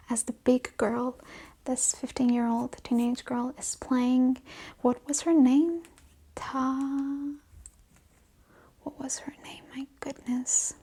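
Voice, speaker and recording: Casting: female ASMR host, mellow breathy whisper, slightly high, hushed casual chat.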